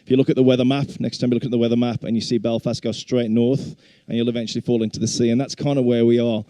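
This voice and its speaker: A man's voice: medium pitch, little pitch movement, very fast, mellow, no echo. A middle-aged man with a Black Country accent gives an informal sermon in a chatty, self-deprecating way. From English Black Country. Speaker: guest preacher and worship leader.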